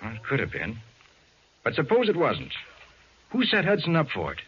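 Confident male detective, lively pitch, firm clipped delivery, 1940s radio drama, muffled old recording. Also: moderate pace, slightly rough, full character voice. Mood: brisk, assured.

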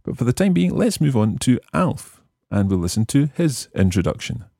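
A man's voice: medium pitch, sing-song, moderate pace, gravelly, mellow, dry recording, clean studio sound. A man hosting a language lesson, explaining and repeating phrases for learners in scripted teaching narration.

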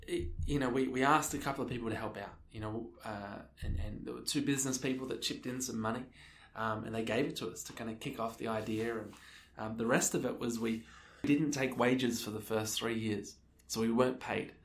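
An Australian man of thirty answers interview questions in a loose, conversational way. His voice sits at a medium pitch. It sounds roomy and set back from the microphone. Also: steady tone, brisk. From Melbourne, Australia. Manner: informal, conversational, peppered with "like" and "you know". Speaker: interview guest, social enterprise co-founder. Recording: echoey room, distant from the mic.

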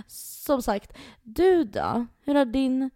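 A young woman chats on a podcast and tells stories in a loose, rambling way, with plenty of swearing and acted-out quotes. Her voice sits a bit high, and the sound is close and dry. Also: dry recording. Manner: storytelling, swearing, animated retellings. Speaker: podcast co-host. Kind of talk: casual chat.

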